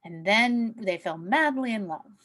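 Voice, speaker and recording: Actress as a curious, romantic best friend. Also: female voice, mid-range voice, animated, unhurried, a bit bright. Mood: intrigued, dreamy. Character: Marie, Sally's curious, romantic-minded female best friend. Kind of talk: table read of romantic comedy film script.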